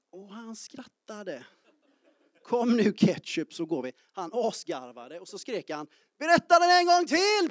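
A man's voice: fairly high pitch, no echo, studio quality. A man in his early forties preaching a sermon to a congregation, joking and calling out to the people in the pews. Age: 40s. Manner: lively, joking, calls out to the congregation. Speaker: pastor. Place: church.

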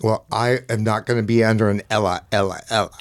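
A man co-hosting a casual podcast, campy and quick with witty quips. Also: lowish voice, fairly even intonation. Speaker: podcast co-host. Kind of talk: casual chat.

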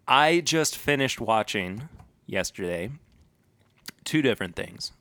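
A man co-hosting a casual podcast, enthusiastic and quick to restart his sentences. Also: lowish voice, expressive, pushed and bright, no echo. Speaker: podcast co-host. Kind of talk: casual chat.

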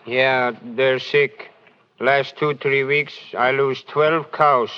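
An actor playing a worried immigrant cattle farmer who speaks halting, broken English, in an old radio drama. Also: male voice, mid-range voice, steady tone, smooth, close to an everyday voice. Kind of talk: 1930s radio drama acting. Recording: dull old radio broadcast.

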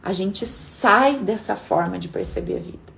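A woman's voice: medium pitch, huge pitch swings, unhurried, vocal fry, a bit bright, a little hiss or hum. A Brazilian woman coach giving a blunt, profane, dramatic motivational talk live, acting out people's inner voices as she goes. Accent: Brazilian Portuguese. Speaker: self-help coach.

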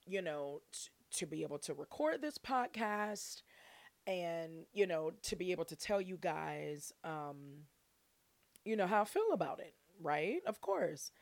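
A woman's voice: fairly low pitch, big pitch swings, measured pace, dry recording. A forty-year-old woman hosting a casual solo podcast, chatting in an exuberant, playful, chummy way straight to her listeners. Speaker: podcast host.

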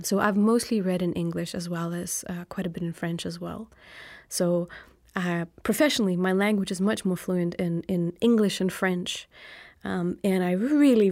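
A woman's voice: lowish voice, darkish tone, dry recording. Young woman, native Lithuanian speaker, reflective interview guest; hesitant, searching delivery in a dry room. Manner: thoughtful, many ums and uhs, often adds "right?". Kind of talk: reflective conversational answer.

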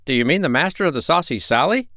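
A man's voice: on the high side, animated, quick pace, pushed and bright, no room sound, studio quality, voice pushed up. A man voicing a friendly, gossipy school of porpoises in a storybook, in a raised, eager voice. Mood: chatty, sure.

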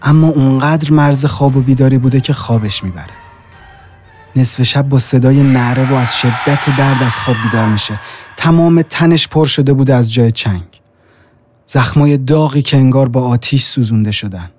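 Man, mid-pitched voice, scripted horror narration, dramatic, suspenseful, faint background music. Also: husky. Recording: soft music bed behind the voice.

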